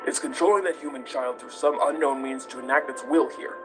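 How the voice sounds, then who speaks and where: A man's voice: medium pitch, fairly quick, natural voice. A man voicing a grave, proud, obsessive scientist in a dramatic comic dub, speaking formally and intensely. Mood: grave, suspicious. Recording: music playing under the dub.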